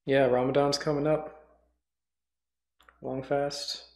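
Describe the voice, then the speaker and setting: A man's voice: mid-range voice, flat delivery, slow, vocal fry, darkish tone. A man making casual, offhand remarks. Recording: echoey room, faint music.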